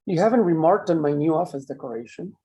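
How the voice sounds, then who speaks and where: A man acting a menacing mine boss in a drama table read, speaking in measured, condescending threats. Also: fairly high pitch, lively intonation, dark tone, lightly acted. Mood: smug, taunting. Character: menacing, controlling male mine boss, coolly cruel.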